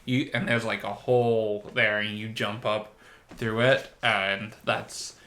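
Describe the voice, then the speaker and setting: A man's voice: lowish voice, flat delivery, slow pace, bright, forceful tone. A man co-hosting a casual gaming podcast, explaining things in a tentative, hedging way. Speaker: podcast co-host.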